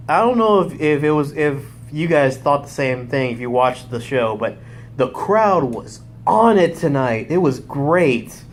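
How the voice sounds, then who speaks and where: A young man with a fairly high voice recaps a wrestling show live, excitable and rambling, correcting himself as he goes. There's slight background noise.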